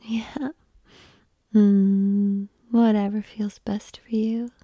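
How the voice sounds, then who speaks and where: A woman whispering softly and calmly in an ASMR roleplay, coaxing the listener through slow breathing, close to the microphone. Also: mid-range voice, dry recording, lo-fi sound. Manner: soft unvoiced whispering; calm, coaxing breathing guidance.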